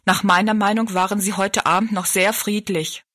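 A woman's voice: mid-range voice, steady tone, normal speed, fairly bright tone, close to an everyday voice. A woman voicing a tired, bitter young kitchen maid who speaks bluntly and complains in a storybook reading. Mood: weary.

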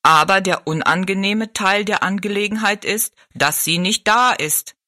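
A woman voicing a tall, thin, dignified male giant from a fair show, who talks slowly in a courtly, regretful way. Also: medium pitch, no room sound, studio quality, close to an everyday voice. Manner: slow, courtly and gently regretful.

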